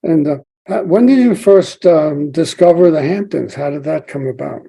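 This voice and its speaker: An older man hosts the interview in a dark, gravelly voice with a husky edge. He asks halting questions that trail off. His voice sits somewhat high for a man. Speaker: podcast host, newspaper founder.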